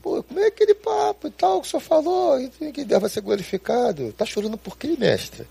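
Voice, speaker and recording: A man's voice: on the high side, very animated, normal speed, gravelly, dark tone, husky, heavily acted. A preacher voicing a bewildered adult male disciple who keeps pressing questions. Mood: baffled.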